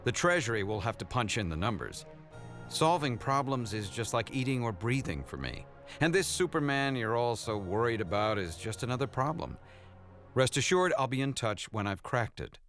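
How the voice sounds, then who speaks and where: A man's voice: mid-range voice, very animated, normal speed, a bit bright, faint music behind. A man voicing an arrogant, aloof genius scientist in a motion comic, smug, precise and condescending.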